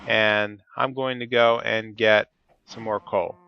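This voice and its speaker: A man's voice: lowish voice, flat delivery, takes it slowly, creaky, clean tone, highs cut off. A man with a stuffy, cold-affected voice, talking methodically through each step of his gameplay. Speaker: Let's Play host. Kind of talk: casual gameplay commentary.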